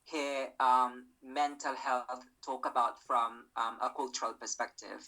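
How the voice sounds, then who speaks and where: A man's voice: medium pitch, flat delivery, unhurried, bright, forceful tone, poor audio. A man, chatting about mental health in a hesitant way, full of ums and repeated words. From Philippines. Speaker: mental health advocate and event host. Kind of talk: casual conversation.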